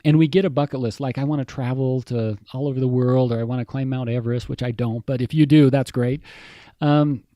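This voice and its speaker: Man, interview guest, enthusiastic storyteller, mellow warm tone, dry close sound. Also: mid-range voice, steady tone, a little fast, dry recording. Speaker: HR executive guest. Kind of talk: interview conversation.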